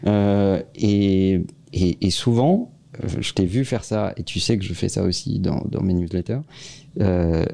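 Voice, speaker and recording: A man's voice: low-pitched, unhurried, gravelly, warm tone. A man co-hosting a casual podcast, chatty and teasing, with frequent hesitations. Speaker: podcast co-host.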